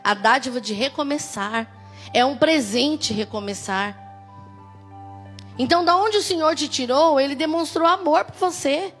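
A woman's voice: sits high, a little slow, a bit bright, soft background music. A woman pastor with a Brazilian Portuguese accent, preaching a conversational sermon with emphatic, rising exclamations.

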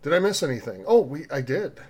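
Casual male podcast host, slightly high-pitched. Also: big pitch swings, fast talker, darkish tone. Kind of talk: casual podcast talk with community announcements.

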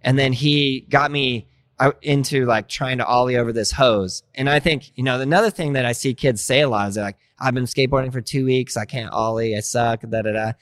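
Man, late thirties, from Montana, animated storyteller, dry recording. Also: medium pitch, fairly quick, dry recording. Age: 30s. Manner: animated, many fillers, acts out past thoughts. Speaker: guest, skateboard instructor. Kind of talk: casual interview storytelling.

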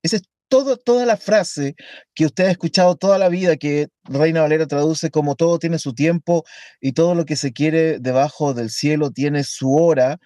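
A man with a light, high voice teaches a lesson on a Hebrew text. He talks slowly and deliberately. The sound is dry and close to the mic. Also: mellow, no room sound. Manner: slow, deliberate, reads Hebrew aloud.

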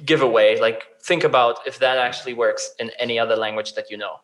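A man's voice: mid-range voice, steady tone, brisk, a bit bright. Man explaining at length with many restarts. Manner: hesitant, many fillers and restarts, explains with examples. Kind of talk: casual conversation about chatbot design.

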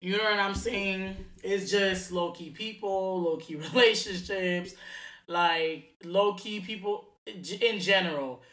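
Bright-voiced chatty woman podcaster. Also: medium pitch, slow. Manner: chatty and slangy, many fillers. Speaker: podcast host. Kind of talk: casual solo podcast monologue. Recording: echoey room.

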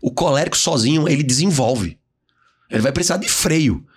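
Brazilian man, podcast guest, rapid talk, husky voice, slangy, jumps into high put-on voices. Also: animated. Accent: Brazilian Portuguese. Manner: acts out quoted people with sudden high-pitched voices, slangy. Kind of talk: animated casual podcast talk. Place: podcast studio.

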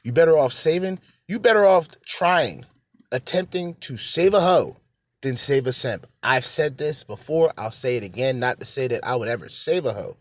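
A man's voice: mid-range voice, lively intonation, normal speed, dry recording. A man hosting a casual, opinionated monologue, blunt and full of slang and swearing, repeating phrases for emphasis. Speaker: solo show host.

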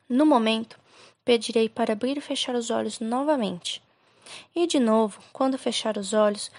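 A woman with a Brazilian accent narrating a guided relaxation hypnosis like a sleep story, soothing and unhurried, giving gentle instructions with pauses. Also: a little high, no room sound.

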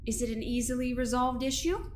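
A woman's voice: a little high, a little fast, slight background noise, lightly acted. A woman playing a cold, imperious scientist in an audio drama, clipped, formal and impatient. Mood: curt, businesslike.

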